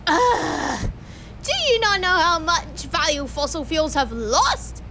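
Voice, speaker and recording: A woman's voice: sits high, animated, takes it slowly, creaky, sharp tone, a little hiss or hum, exaggerated voice. A woman playing a cynical, exasperated mercenary leader in an amateur audio drama. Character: cynical nihilist female mercenary leader posing as eco-terrorist.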